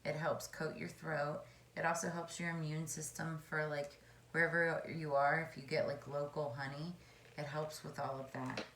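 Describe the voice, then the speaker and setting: A woman with a low, slightly hoarse voice reads tarot cards in a relaxed, wandering way, thinking aloud between cards. Her voice bounces around an echoey room with a faint hum behind it. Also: normal speed. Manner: chatty and meandering, musing aloud. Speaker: tarot reader. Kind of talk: casual tarot card reading.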